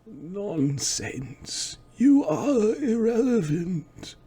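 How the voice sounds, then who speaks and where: A man's voice: high-pitched, big pitch swings, extremely slow, warm tone, husky, pitched above the performer's own voice, exaggerated voice. A man voicing a stubborn, meddling old man in a tabletop game, drawn out, theatrical and defiant. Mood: indignant. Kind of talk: tabletop game role-play.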